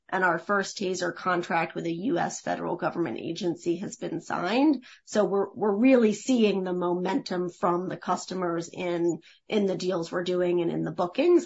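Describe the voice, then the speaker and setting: Lowish, husky businesswoman on a call. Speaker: company executive. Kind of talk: earnings call report, factual. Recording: dull, lo-fi conference-call audio.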